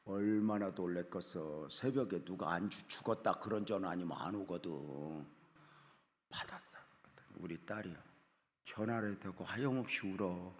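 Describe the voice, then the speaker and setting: An older man, a pastor, preaching at an early-morning revival. He has a lowish voice and moves between hushed and loud as he tells his stories, with long reverb from the church sanctuary. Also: normal speed. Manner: storytelling preacher, swings from hushed to loud, acts out quotes.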